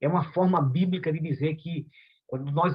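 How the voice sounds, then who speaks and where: This man has a northeastern Brazilian accent, a fairly high pitch and a somewhat breathy sound. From Brazilian Northeast. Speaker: pastor. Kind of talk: sermon. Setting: video call.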